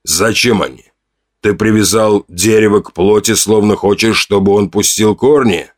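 A man's voice: lowish voice, fairly even intonation, no echo, clean studio sound, lightly acted. Gorm, a man doing a grim tribal chief. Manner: gruff, slow, somber. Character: grim older male tribal chief, stern.

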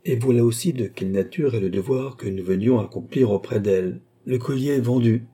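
A man's voice: mid-range voice, fairly quick, dark tone, breathy edge, close to an everyday voice. A man reading a solemn, bowing court jeweller. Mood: grave. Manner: formal, solemn. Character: grave, deferential male court jeweller.

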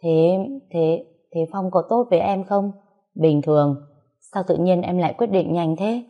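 A woman's voice: on the low side, unhurried, dull audio. A woman voicing a weeping, remorseful older sister who pleads and frets. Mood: worried. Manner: tearful, pleading.

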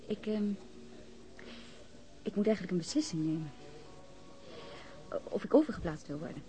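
An actress playing a female police officer who talks in a familiar, gently probing way in a Dutch radio crime drama. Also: lowish voice, lively intonation, normal speed, soft background music, lightly acted. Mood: tentative.

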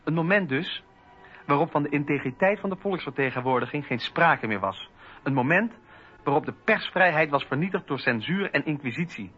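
An actor playing a principled French Enlightenment philosopher, reciting political writings in an earnest, rhetorical manner with a husky voice. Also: male voice, on the high side, lively intonation, a little fast, bright, forceful tone, exaggerated voice. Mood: indignant. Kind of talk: dramatised reading of political writings. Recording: dull, muffled radio recording.

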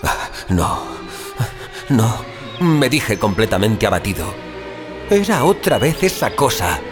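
In dramatic first-person audio fiction, a man plays a dazed, desperate survivor recounting his story, pained and distressed. His low-leaning voice swings widely in pitch, very animated yet slow, with theatrical gasps and exclamations. Music plays clearly behind the anguished narration.

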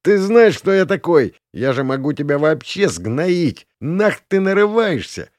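Casting: man doing a spoiled, drunk young brat, high, whiny and brash, very lively. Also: measured pace, no room sound, studio quality. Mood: arrogant.

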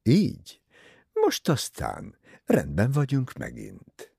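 A man reading an audiobook, voicing a fussy, soothing older male detective with a raspy voice. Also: mid-range voice, wildly swooping pitch, warm tone, no echo, studio quality, voice pushed up, heavily acted.

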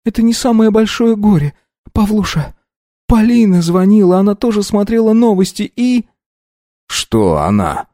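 A man's voice: big pitch swings, moderate pace, warm tone, dry recording. A man putting on a tearful middle-aged mother. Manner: sobbing, pleading, high-pitched.

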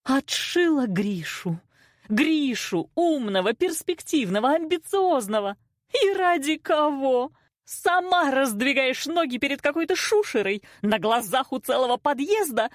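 A woman voicing a hysterical middle-aged mother in an audiobook, loud, dramatic and accusing. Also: on the high side, animated, moderate pace, no echo, clean studio sound, pitched above the performer's own voice. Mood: accusing, tearful. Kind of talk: audiobook character acting.

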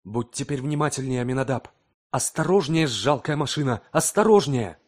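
A man's voice: mid-range voice, animated, normal speed, pitched above the performer's own voice, lightly acted. A man voicing an anxious, obsessive scientist husband who speaks in urgent, tense outbursts.

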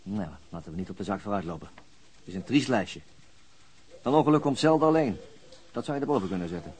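A man's voice: on the low side, animated, fast, a little mellow, a little hiss or hum, lightly acted. A man acting in a radio drama as a thoughtful, orderly police detective with a questioning manner. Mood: pensive, sombre. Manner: questioning, methodical.

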